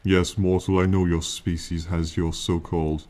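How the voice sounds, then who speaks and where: Here the ancient dragon, played by a man for a fantasy ASMR piece, sounds proud and warning, his very deep, dark voice held to a level tone with little pitch movement and only light acting. He speaks slowly and formally in lofty, archaic phrases, condescending toward his mortal companion but clearly fond of them.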